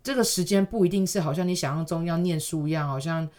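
Lowish-voiced Taiwanese woman explaining casually. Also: fast, mellow. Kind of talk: casual conversational advice.

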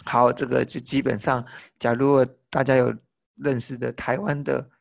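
Gravelly-voiced Taiwanese man chatting. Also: medium pitch, little pitch movement, slow. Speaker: podcast co-host. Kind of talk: casual chat lesson.

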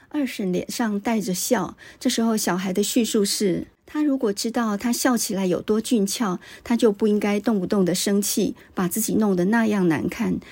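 A woman's voice: mid-range voice, vocal fry, warm tone, husky. A woman hosting a literature podcast, retelling a story and commenting on it in a chatty way, adding little particles. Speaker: podcast host discussing literature.

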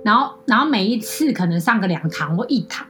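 A woman's voice: medium pitch, expressive, fast talker, a bit bright, soft background music. A young woman with a Taiwanese Mandarin accent, telling long rambling stories in a casual chat, with many fillers and restarts.

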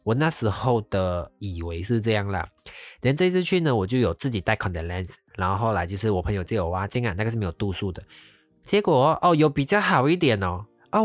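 Animated man telling a story. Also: mid-range voice, dry recording. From Malaysia. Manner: animated, mixes English words into Mandarin, drawn-out exclamations. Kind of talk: casual storytelling.

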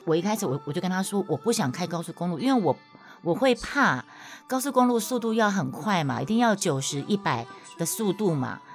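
A woman's voice: brisk, faint music behind. A young woman with a Taiwanese Mandarin accent telling a story to her listeners in a casual, emphatic way, her voice leaping up when she gets worked up. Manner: animated, emphatic, voice jumps high when worked up.

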